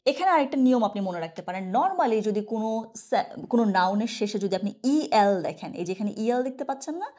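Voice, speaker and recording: A woman giving a casual online German lesson. She chats freely, keeps asking "okay?", and says her example sentences slowly and carefully. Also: fairly high pitch, animated, darkish tone. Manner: chatty, asks "okay?" often, slow careful example sentences. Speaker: German teacher.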